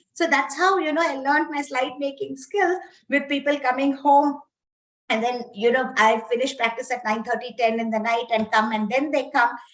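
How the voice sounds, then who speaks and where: A woman speaks at a moderate pace with a Kannada accent. Her pitch is high, with ordinary variation. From India, Mumbai. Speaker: obstetrician and gynecologist. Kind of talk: interview.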